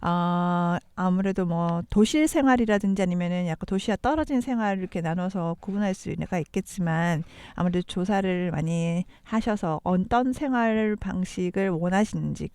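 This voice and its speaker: Here the same kind of radio host appears on a dry recording: a native Korean-speaking South Korean woman with a Korean accent who interviews and interprets for her audience. She has a smooth, lowish voice with a darkish tone.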